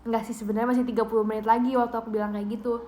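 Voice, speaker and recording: A woman's voice: a little high, flat delivery, rapid-fire, mellow. A young woman with an Indonesian accent, hosting a casual livestream from home in a playful, giggly way and thanking viewers. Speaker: idol livestream host. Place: bedroom at home. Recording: roomy echo from a home livestream.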